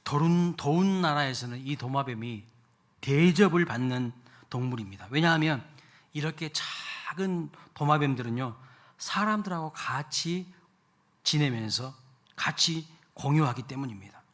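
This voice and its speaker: A middle-aged man preaches a Sunday sermon in a church sanctuary. His voice sits somewhat high and bright, with a forceful edge. He swings between loud, emphatic phrases and quieter asides, often putting questions to the congregation. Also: a little slow. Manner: animated preaching with big swings in loudness, rhetorical questions to the congregation. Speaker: pastor.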